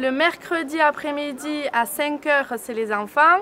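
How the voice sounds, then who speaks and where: There is noticeable background noise behind this woman. She talks at a fairly slow pace with ordinary pitch variation. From Soule, French Basque Country. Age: 20s. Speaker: karate coach. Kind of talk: interview.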